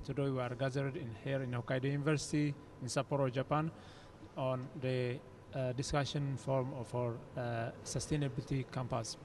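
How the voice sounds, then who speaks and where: A man's voice: medium pitch, darkish tone, a little hiss or hum. A young man from Eritrea, opening a student panel as host with many fillers and restarts. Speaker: forum host. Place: university forum room.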